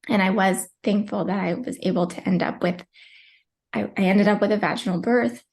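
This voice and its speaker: A woman's voice: medium pitch, steady tone, brisk, darkish tone. A young woman in her twenties, a podcast guest telling a personal birth story in a chatty, emotional way with many fillers. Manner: tearful at times, chatty with many likes.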